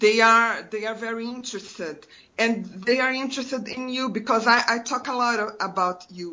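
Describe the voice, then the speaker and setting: Speaking at a moderate pace in a Brazilian Portuguese accent, a woman has a fairly high pitch, a bright, sharp tone and big swings in loudness. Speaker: translator and channel speaker on ufology. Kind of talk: casual chat. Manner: halting, many fillers and repetitions.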